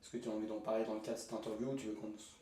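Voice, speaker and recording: A man hosting a relaxed interview, friendly and a bit hesitant, with many fillers. His voice sits mid-pitch and comes from a little way off the mic. The room around him is echoey, and a faint hiss runs underneath. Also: rapid-fire, recorded from a distance. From Moroccan heritage. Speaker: interviewer, channel host. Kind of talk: casual interview. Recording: roomy, off-mic, light hiss.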